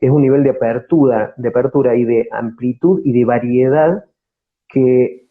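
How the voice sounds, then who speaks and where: A man's voice: mid-range voice, normal speed, phone-quality sound. A man with an Argentine accent from Córdoba giving conversational interview answers as an actor, feeling for words and repeating them as he goes. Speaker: theatre company actor, interview guest.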